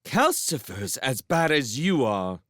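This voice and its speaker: A man's voice: medium pitch, sing-song, slow pace, a bit bright, no echo, clean studio sound, voice pushed up, full character voice. A man voicing a fierce, outraged mother scolding in an audiobook. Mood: passionate, scolding. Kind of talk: audiobook character voice.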